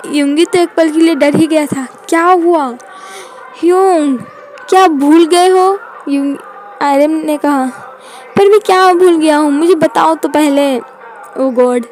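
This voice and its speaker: A woman's voice: sits high, darkish tone. A woman narrating a fan fiction story aloud and reading all the characters' lines in her own voice.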